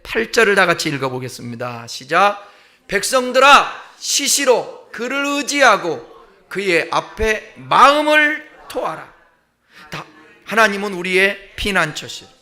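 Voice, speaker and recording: A male pastor delivering a Sunday sermon in a church, with a high, bright voice. He preaches emphatically, voicing quoted prayers with rising intensity before returning to calm explanation. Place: church sanctuary.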